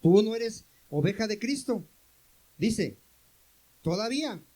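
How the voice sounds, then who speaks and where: Male pastor, high voice, questions-and-answers sermon style with calls for amens. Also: expressive, slow pace, dark tone, rough recording. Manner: questions the congregation and answers himself.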